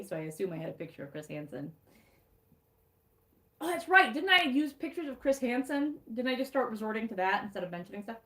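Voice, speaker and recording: A woman's voice: mid-range voice, fairly bright tone, roomy sound. A woman with a Michigan accent reading her own snarky book recap aloud on a livestream, wry and sarcastic, with laughs at her own jokes.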